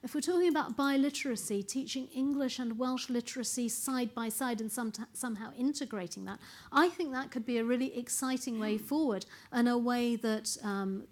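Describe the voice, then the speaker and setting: A middle-aged woman researcher giving an earnest, emphatic conference talk in a lecture room, often repeating words as she thinks. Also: a little high. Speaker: researcher presenting at a symposium. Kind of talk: conference presentation.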